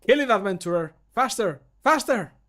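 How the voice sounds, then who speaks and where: An emphatic fantasy game companion acted by a man, pitched fairly high. Short exclaimed lines come out urgent, as recorded voice lines for a mod. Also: animated, moderate pace, fairly bright tone. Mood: urgent, egging on.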